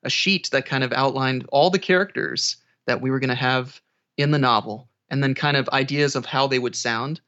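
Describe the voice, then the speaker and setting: A man's voice: mid-range voice, normal speed, sharp tone, muffled recording. A man who narrates audiobooks, talking casually as a guest in an interview.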